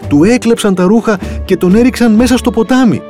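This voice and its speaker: A man's voice: dark tone, soft background music, close to an everyday voice. A man doing a sly scheming storybook cat. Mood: pleading. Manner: pleading, eager, higher than his narration. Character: sly clever male cat in boots. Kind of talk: storybook reading.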